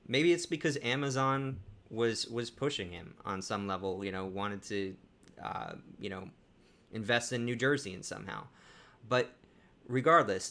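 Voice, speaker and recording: Bright, clear-voiced male co-host. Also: lowish voice. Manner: conversational, with frequent restarts and fillers. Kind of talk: live panel discussion.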